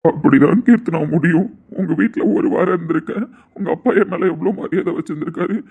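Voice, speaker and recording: A man voices a young man who turns his lover down coldly and bluntly. His voice is gravelly and husky, and it sits fairly high. The audio drama comes through with a thin, phone-like sound. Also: fast. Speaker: lead character in an audio drama. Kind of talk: emotional Tamil audio-drama acting.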